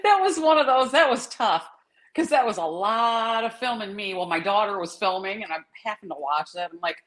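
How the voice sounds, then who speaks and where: A woman's voice: medium pitch, animated, brisk, a bit bright. A middle-aged woman from Michigan with a Michigan accent, a guest in a casual chat who laughs often.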